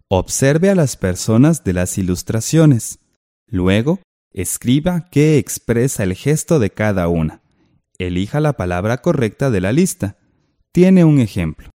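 Man, teacher, low-pitched, step-by-step explainer, rhetorical questions. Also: mellow, no room sound, studio quality. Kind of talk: guided textbook lesson.

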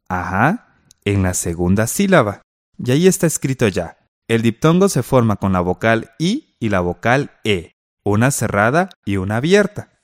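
A man teaches a scripted radio class, reading out exercises with a lively, varied pitch. His voice is close and dry, with no room sound. He speaks clearly and explains each step. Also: dry recording.

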